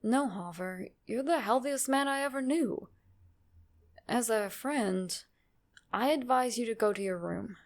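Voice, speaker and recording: A woman voicing a grave, measured male physician with formal, deliberate speech in a dramatic horror reading. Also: on the high side.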